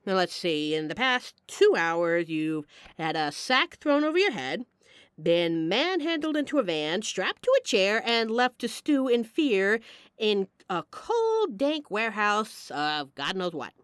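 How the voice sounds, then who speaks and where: A brash female mafia boss, acted by a woman in an audio roleplay, swinging widely in pitch. She is wry, flirty and apologetically charming, talking straight to the listener in a dry, close recording. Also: big pitch swings, a little slow, smooth, no echo. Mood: admiring.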